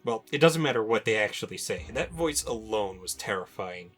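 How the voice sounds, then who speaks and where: A man's voice: lowish voice, lively intonation, moderate pace, a bit bright, breathy edge. A young adult man hosting a video game countdown with informal, personal commentary and wry asides. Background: music.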